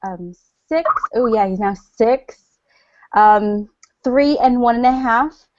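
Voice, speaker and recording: A woman's voice: fairly high pitch, slow, highs cut off, background noise. A woman and stay-at-home mother talking in a bubbly, chatty way, full of fillers, in a casual online group chat. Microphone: video call.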